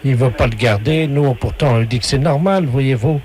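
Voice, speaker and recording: A man's voice: medium pitch, normal speed, a crowd in the background, natural voice. A man playing a polite, rambling grandfather in a prank call over a landline phone. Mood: polite, hesitant. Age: older.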